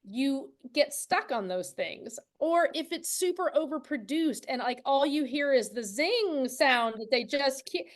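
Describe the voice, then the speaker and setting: A woman's voice: sits high, expressive, unhurried, few pauses. A woman hosting a casual interview, effusive and often rephrasing herself mid-thought. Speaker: podcast host interviewing guests. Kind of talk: casual enthusiastic interview chat.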